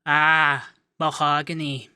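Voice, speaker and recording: Man acting a bright-voiced, coy, effeminate young accountant. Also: a little high, little pitch movement, slow, clear, resonant tone, dry recording, heavily acted. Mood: teasing, probing. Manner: coy, teasing, lilting, hesitant in places. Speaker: ASMR voice actor. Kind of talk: ASMR roleplay.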